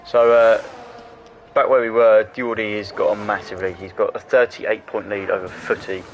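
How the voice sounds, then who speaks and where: A man doing casual, jokey commentary on an online racing league, full of quick asides. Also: on the low side, flat delivery, muffled recording, soft background music. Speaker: race commentator.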